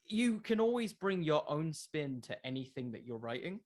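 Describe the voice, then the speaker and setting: A man's voice: a little high, big pitch swings, normal speed, darkish tone. A man who makes a podcast, answering in a casual interview, explaining his views with plenty of qualifiers. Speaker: podcast creator being interviewed.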